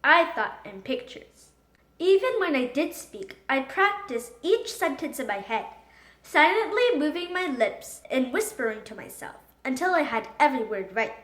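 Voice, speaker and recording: A woman reading a children's book aloud in an expressive, dramatic storytelling manner. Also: high voice, moderate pace. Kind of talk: animated storybook narration. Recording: echoey room.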